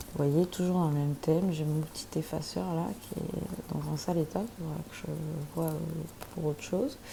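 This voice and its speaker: The woman's pitch is very deep and low, with ordinary variation, and her pace is moderate. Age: 20s. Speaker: budgeting vlogger. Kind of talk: casual tutorial vlog. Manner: hesitant, many fillers.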